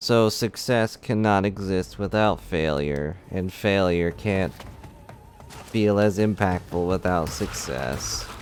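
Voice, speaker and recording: A man uses a put-on character voice with very deep, low pitch and a fairly slow pace. Clear background noise is present. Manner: droopy monotone.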